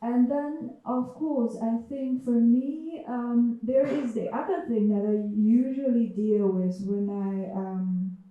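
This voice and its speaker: Slow, soft-spoken Chinese woman in echoey hall. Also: fairly high pitch, fairly even intonation, phone-quality sound. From China. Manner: hesitant, many fillers and restarts. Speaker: writer and panel speaker. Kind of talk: reflective public talk. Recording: echoey hall, speaker far from mic.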